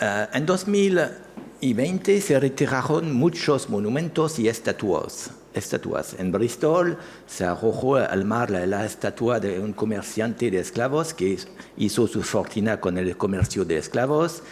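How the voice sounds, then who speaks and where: A man with a French accent speaks at a fairly slow pace around a medium pitch, with very wide pitch swings and noticeable background noise. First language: French (speaking Spanish). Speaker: museum curator and researcher. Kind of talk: lecture. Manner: halting, repeated words.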